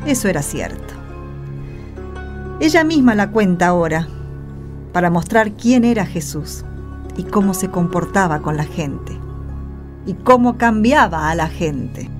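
A woman's voice: on the low side, lively intonation, a little slow, long pauses. A woman acting a reminiscing storyteller, narrating a radio drama reflectively. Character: reminiscing storyteller who loves trees, follower of Jesus. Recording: clear music under the voice.

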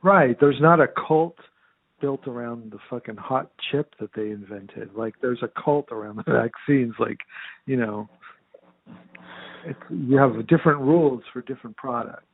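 A man's voice: medium pitch, unhurried, vocal fry, slightly rough, no room sound. A man in casual chat, telling stories in a sarcastic, profane way full of fillers. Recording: tinny phone-like sound.

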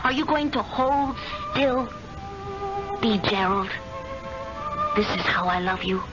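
A woman's voice: mid-range voice, takes it slowly. An actress playing a cool, manipulative woman who coaxes her lover firmly in an old radio drama. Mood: coaxing. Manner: calm, coaxing, firm. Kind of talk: 1970s radio drama acting. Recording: lo-fi vintage radio with music.

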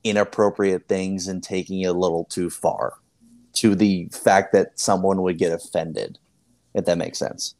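A man's voice: low voice, steady tone, a little slow, gravelly, a little mellow. A man talking casually as a podcast guest about anime, hedging his points and trailing off with small laughs.

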